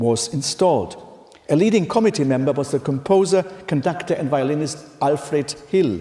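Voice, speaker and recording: A man with a German accent, lively intonation and a fairly quick pace. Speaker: musicologist. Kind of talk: lecture. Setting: lecture hall with audience. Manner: reading from a script, some stumbles.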